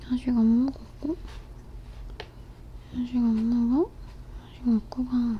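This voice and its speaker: Amid noticeable background noise, a woman with a high pitch speaks at a very slow pace, with fairly even intonation and long, frequent pauses. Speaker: ASMR creator. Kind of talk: ear-cleaning roleplay as a friend, whispered talk. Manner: soft, casual, friendly, whispery.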